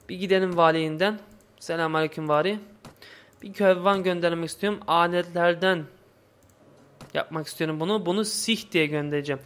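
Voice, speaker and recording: A man giving casual let's play commentary in halting, imperfect Turkish with muddled word forms. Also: a little high, fairly bright tone. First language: not Turkish, speaks imperfect Turkish. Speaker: gaming video host.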